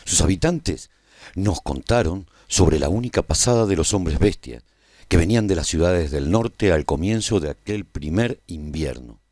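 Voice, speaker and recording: A man playing a survivor who narrates a post-apocalyptic radio serial in the first person, in a measured, formal storytelling manner. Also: deep voice, expressive, darkish tone, dry recording, clean studio sound. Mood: earnest, reflective. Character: male survivor recounting the rebuilding of a post-apocalyptic world.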